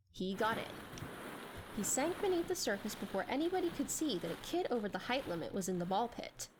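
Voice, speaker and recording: A woman's voice: a little high, a little hiss or hum. A woman reading a story as a scripted, dramatic narration.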